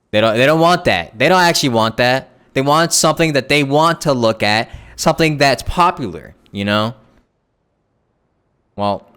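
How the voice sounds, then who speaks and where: A man's voice: mid-range voice, fairly bright tone, clear, resonant tone. A man giving casual, slangy live-stream commentary on a game in a laid-back way.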